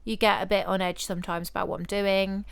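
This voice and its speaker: A woman's voice: mid-range voice, level tone, fast talker, creaky, smooth. A young woman with a giggly, blunt, sassy manner, chatting casually as a podcast co-host. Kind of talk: casual chat.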